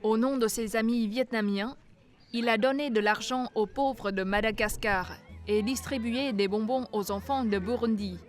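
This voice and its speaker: A woman narrating a news feature as a voice-over, reading in a measured way. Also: on the high side, soft background music.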